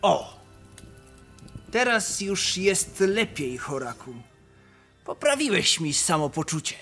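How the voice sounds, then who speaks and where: A man voicing a proud, gruff male tribal chief who speaks in a commanding, haughty way. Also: sits high, sing-song, takes it slowly, a bit bright, soft background music, full character voice. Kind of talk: audio drama acting.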